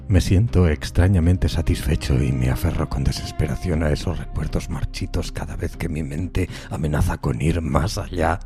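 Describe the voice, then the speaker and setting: An actor playing a tormented, solitary outcast in a gothic horror audiodrama, speaking in a brooding, solemn, halting dramatic way. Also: male voice, extremely low pitch, heavily acted. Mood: bitter, anguished. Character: tormented solitary outcast man recalling a decayed gothic castle. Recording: music bed behind the voice.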